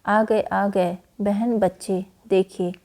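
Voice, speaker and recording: A woman's voice: medium pitch, fairly even intonation, slow pace, warm tone, close to an everyday voice. A woman reading the part of an anxious, pleading mother in a school play. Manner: panicky, pleading. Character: anxious frightened mother, middle-aged woman.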